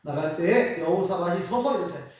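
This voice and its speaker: A pastor delivering an animated sermon, firing off rhetorical questions and chuckling between points. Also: medium pitch, moderate pace. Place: church sanctuary. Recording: echoey hall, mic at a distance.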